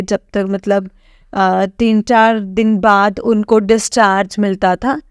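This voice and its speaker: Slow, smooth-voiced young woman. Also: medium pitch, a little mellow, no echo, studio quality. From Jammu, India. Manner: halting, with many fillers and repeated phrases. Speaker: devotee sharing testimony. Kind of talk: personal testimony to a spiritual congregation.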